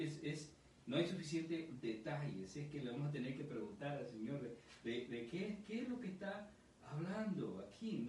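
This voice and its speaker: A man's voice: a little high, darkish tone, slight background noise. A man preaching a verse-by-verse Bible teaching, reading scripture and explaining it in a conversational way, often checking in with "¿no?". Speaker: pastor. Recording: echoey room, distant mic, faint ambience.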